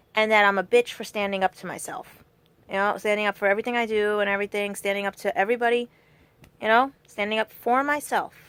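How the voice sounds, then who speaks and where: Putting on a strained character voice, a woman with a medium pitch speaks at a very fast pace with fairly even intonation. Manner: stuttering, strained.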